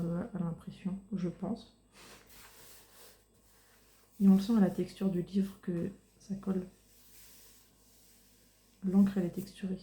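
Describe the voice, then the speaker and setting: Young woman, ASMR creator. Very dark, soft tone, flat delivery, casual and hesitant, roomy sound. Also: on the low side, gravelly.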